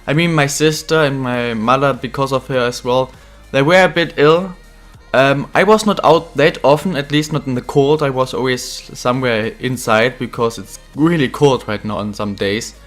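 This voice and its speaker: A young man who is a bit ill, chatting casually while commentating his own football video game career, getting excited at goals. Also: mid-range voice, moderate pace, faint music behind. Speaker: gaming channel host.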